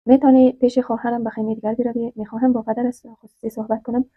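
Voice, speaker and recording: A woman voicing a calm, serious tribal man who speaks quietly and evenly in a storybook tale. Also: on the high side, breathy edge, no room sound. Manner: calm and composed. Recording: dry, tinny phone-like sound.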